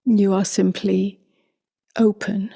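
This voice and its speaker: A woman speaking softly and gently in a near-whisper as she guides a meditation, unhurried, with long pauses. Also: medium pitch, flat delivery. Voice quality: soft, breathy, near-whispered. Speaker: meditation teacher.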